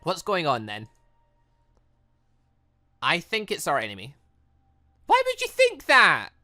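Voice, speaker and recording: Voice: mid-range voice, wildly swooping pitch, takes it slowly, bright, forceful tone, soft background music. A British let's play host giving casual commentary on a game, rambling and thinking aloud. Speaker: gaming video host.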